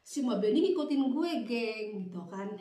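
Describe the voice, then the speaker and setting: A young adult woman from Indonesia tells her viewers a story in a loose, chatty vlog style, tagging her sentences with filler phrases. Her voice sits a little high. She is a bit away from the mic in an echoey room. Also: expressive, moderate pace, warm tone, far from the mic. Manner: chatty, addresses viewers as "geng", many "gitu kan" tags. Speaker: vlogger. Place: Bavaria, Germany.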